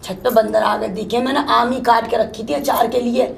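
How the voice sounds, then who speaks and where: A woman acts out a scolding old mother-in-law in a solo sketch, shrill and cursing, complaining nonstop. Her voice has vocal fry, fairly even intonation, and a moderate pace, with slight background noise present.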